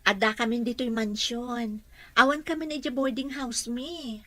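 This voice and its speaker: A woman's voice: on the high side, steady tone, moderate pace, sharp tone, no echo. A woman with an Ilocano accent playing a dutiful, concerned household aide in an audio drama. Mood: friendly.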